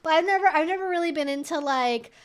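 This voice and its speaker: Female streamer, high voice, informal and rambling, casual Q&A chat delivery. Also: fast. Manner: rambling, informal, frequent "like" and swearing. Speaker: livestream host.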